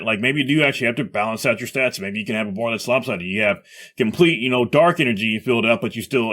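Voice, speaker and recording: A man gives casual gaming commentary, reading aloud and reacting as he thinks out loud. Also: mid-range voice.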